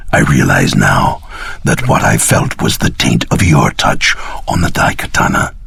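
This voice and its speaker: Arrogant time-travelling villain, video game, gravel-throated, slow, dry close sound, threatening. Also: male voice, very deep voice, fairly bright tone, dry recording, heavily acted. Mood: smug, dismissive. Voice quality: gravelly, raspy. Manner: slow, grandiose, condescending.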